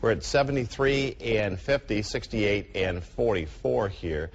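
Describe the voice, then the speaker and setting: A man's voice: on the low side, expressive, unhurried. A man presenting the weather live, ad-libbing as he goes. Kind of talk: live ad-libbed weather report. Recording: dull lo-fi audio with background noise.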